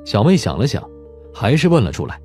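A man's voice: medium pitch, wildly swooping pitch, a little fast, mellow. A man reading a detective audiobook as a scripted narration. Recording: music behind the voice.

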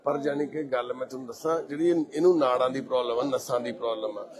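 Brisk man reassuring visitors. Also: medium pitch, steady tone, darkish tone. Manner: soothing, repeats short reassurances. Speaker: charity volunteer host. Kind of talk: casual on-camera conversation.

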